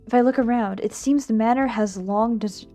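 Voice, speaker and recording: Higher-voiced woman streaming a game. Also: moderate pace, warm tone. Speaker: streamer playing and reading aloud a visual novel. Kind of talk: casual game commentary mixed with reading game text aloud. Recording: music behind the voice. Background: game music.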